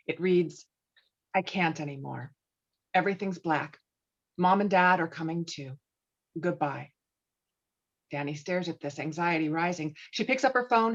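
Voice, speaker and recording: A woman's voice: on the low side, highs cut off. A woman reading screenplay stage directions as narrator at a table read.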